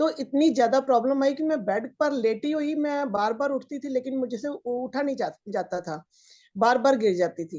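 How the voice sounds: A woman speaks at a moderate pace in a high voice with a dark, mellow tone and lively intonation.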